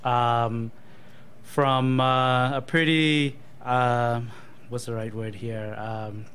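Appearing as a guest for a company interview, this man speaks with a steady, medium-pitched, fairly bright and clean voice, drawing out his words. He is a marketing manager born in Thailand to Cambodian parents and raised in Canada, and he sounds thoughtful and hesitant, with plenty of ums and uhs.

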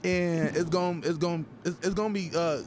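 Black american guy w an african american accent, kinda high voice, repeats himself a lot, chatting, noisy background. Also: fairly even intonation, fairly quick, darkish tone. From Toledo, Ohio, USA. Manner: repeats and restarts phrases emphatically. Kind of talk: casual group chat.

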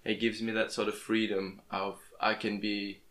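A young man whose first language is Portuguese talks casually into his podcast microphone. His voice sits low and stays flat, and he often stumbles and restarts his words as he goes. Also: moderate pace, slight background noise. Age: young adult. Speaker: podcast host. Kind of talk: casual interview chat. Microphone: plugged-in podcast microphone.

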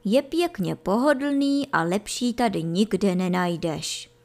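Woman reading a brisk rabbit dad, matter-of-fact, bit impatient, storybook. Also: medium pitch, expressive, darkish tone, close to an everyday voice. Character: practical male rabbit father, brisk and growing impatient.

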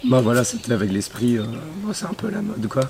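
Hoarse man hosting an outdoor podcast. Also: mid-range voice, fast, a loud crowd. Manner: relaxed, chatty, many fillers. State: hoarse, losing his voice. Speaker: podcast host and bushcraft instructor. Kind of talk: casual outdoor podcast talk. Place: outdoors at a rural bushcraft camp.

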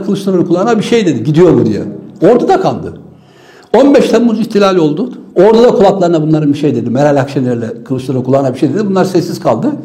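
A man's voice: high-pitched, dark tone. Fiery scornful male political commentator. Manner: fiery, scornful, rhetorical questions. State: weary. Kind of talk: impassioned political monologue.

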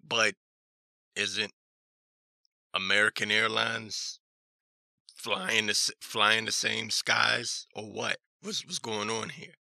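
A man with a hoarse voice giving casual news commentary as a talk show host, halting and repeating himself in a skeptical manner as he reads articles aloud. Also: lowish voice, steady tone, bright, forceful tone, no echo.

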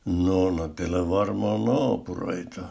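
Guy reading as a curt cop, low gravelly husky voice, bossy and clipped. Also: mellow, full character voice. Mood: officious. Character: brisk male police officer, businesslike.

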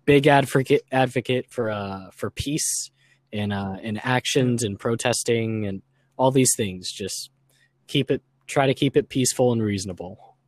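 Regular guy chatting on a podcast, reflective and earnest, medium pitch, dry recording. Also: moderate pace, no room sound. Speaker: podcast guest or co-host. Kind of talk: casual, reflective discussion.

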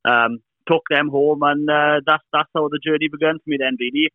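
A Welsh man, a beekeeper speaking Welsh as his first language, chatting relaxed and repeating himself as he tells his story over a call. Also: a little high, a little fast, dry recording. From Wales. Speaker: beekeeper guest. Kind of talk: casual interview over a call. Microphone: remote call. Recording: tinny phone-like call line.

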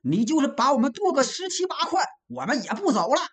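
A woman voicing exhausted male foot soldiers who shout back in protest. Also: high voice, big pitch swings, brisk, voice pushed up. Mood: defiant.

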